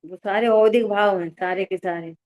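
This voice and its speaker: A woman teaching a religious discourse in an expressive voice, often exclaiming and checking whether her listeners follow. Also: mid-range voice, normal speed. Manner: keeps asking listeners if they follow; expressive, exclaims and acts out little dialogues. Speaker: spiritual teacher.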